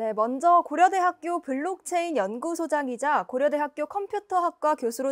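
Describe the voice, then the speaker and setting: With lively intonation, a woman talks at a moderate tempo. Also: quiet background. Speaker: student forum moderator. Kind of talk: scripted presenting. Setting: studio. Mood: polite, warm, composed. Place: studio. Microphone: lapel.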